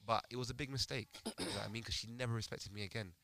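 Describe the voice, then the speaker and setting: A man's voice: fairly low pitch, fairly even intonation, rapid-fire, pushed and bright, no room sound. A young man, telling stories in casual, slangy street talk full of banter. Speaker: podcast participant. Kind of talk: animated casual banter and storytelling.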